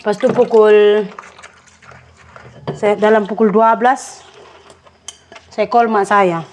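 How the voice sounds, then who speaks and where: A tired young vlogger, worn out from a sleepless night, chats casually to her viewers in a rambling, storytelling way while doing chores at home. Her mid-range voice is a little mellow, slow and fairly even in intonation, with a little hiss or hum on the recording.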